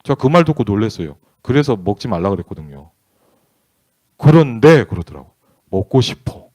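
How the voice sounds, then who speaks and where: Lively, animated male pastor. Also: fairly low pitch, fairly quick, no room sound. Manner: candid, conversational, acts out dialogue in quotes. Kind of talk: storytelling sermon.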